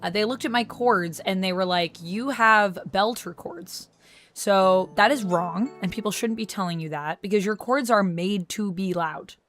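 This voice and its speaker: A woman's voice: medium pitch, normal speed, a bit bright, faint music behind. A woman chatting casually on her live stream, reading chat messages aloud and replying to viewers. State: recovering from vocal strain.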